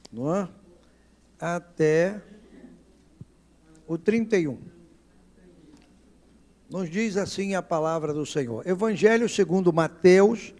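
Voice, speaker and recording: A man's voice: sits high, a little mellow. A man preaching a sermon as pastor, with dramatic rises and frequent questions to the congregation. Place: church service.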